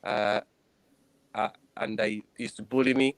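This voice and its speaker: A man's voice: fairly low pitch, steady tone, clean tone, dry recording. Earnest, hesitant man in his thirties. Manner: earnest, hesitant, frequent pauses and restarts. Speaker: guest, former professional cricketer. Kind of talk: recounting personal experiences in an interview.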